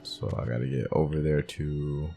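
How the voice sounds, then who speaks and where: A man's voice: very deep voice, fairly even intonation, normal speed, creaky, warm tone, faint music behind. A man giving casual, unscripted commentary on a video game, thinking aloud and muttering to himself as he plays. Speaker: gamer, video game playthrough host.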